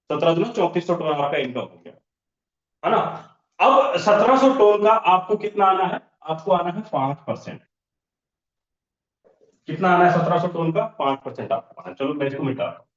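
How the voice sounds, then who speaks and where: Male trainer, slightly high voice, repeats each figure as he works through the sums, dull lo-fi call audio. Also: expressive, normal speed, roomy sound. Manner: repetitive, walks through sums step by step. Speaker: business trainer. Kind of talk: online training session explaining income plans.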